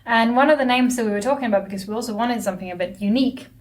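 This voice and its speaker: A woman's voice: on the high side, very fast. A woman in her thirties whose first language is Swedish, co-hosting a podcast and telling long, rambling stories in casual chat. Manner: chatty, rambling storyteller. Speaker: podcast co-host.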